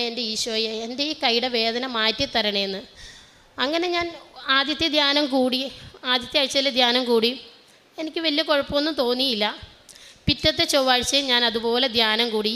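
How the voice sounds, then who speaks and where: Middle-aged woman telling her faith story, bright tense voice, a bit high, halting, earnest. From Kerala. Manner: emotional, grateful. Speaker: testimony giver. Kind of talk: personal religious testimony.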